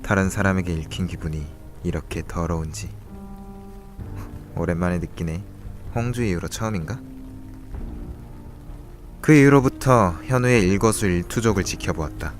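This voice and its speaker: Man playing a low-voiced brooding young student. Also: moderate pace, long pauses, soft background music, lightly acted. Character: brooding, secretive young male student, an observant older classmate. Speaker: voice actor in a student radio drama. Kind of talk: Korean radio drama dialogue and first-person narration.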